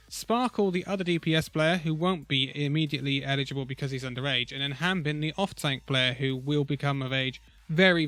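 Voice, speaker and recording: A man who is a little ill and losing his voice gives an opinionated, conversational esports roundup with pauses. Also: on the high side, pushed and bright, smooth, dry recording. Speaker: esports video host. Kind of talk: casual esports commentary vlog.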